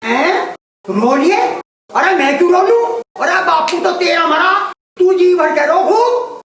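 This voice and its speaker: An actor playing a deaf, loud old village father from Haryana who mishears everything, in a Haryanvi accent. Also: extremely high pitch, animated, takes it slowly, very echoey, distant mic, noisy background, heavily acted. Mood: teasing. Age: older. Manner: loud and shouting, chuckling, mishears words.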